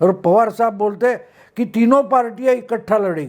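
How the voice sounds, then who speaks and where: The man's intonation is fairly even. His voice is high in pitch. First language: Marathi (speaking Hindi). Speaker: political journalist and commentator. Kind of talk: political commentary monologue. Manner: hesitant with filler sounds.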